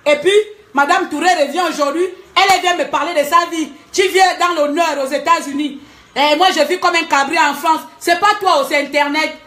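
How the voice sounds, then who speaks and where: A woman vlogger scolds her critics in an angry rant to the camera at home, laughing between jabs. She speaks briskly in a high-pitched, bright, forceful voice with fairly even intonation, and the room echoes.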